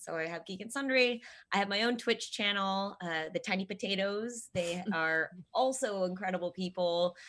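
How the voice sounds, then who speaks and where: Over a very clean recording with a silent background, a woman in a normal speaking voice talks at a moderate pace, fairly low in pitch, with ordinary pitch variation. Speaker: guest. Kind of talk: casual chat.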